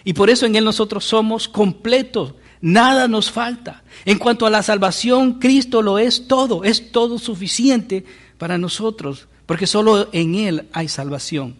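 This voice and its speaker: High-voiced pastor preaching. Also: male voice, unhurried. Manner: teaching, with rhetorical questions. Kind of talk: sermon.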